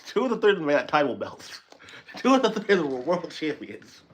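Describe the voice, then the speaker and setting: Animated rambling man hosting a live stream. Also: fairly high pitch, a little fast, slight background noise. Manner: animated, rambling, self-correcting, laughs often. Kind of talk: casual chat.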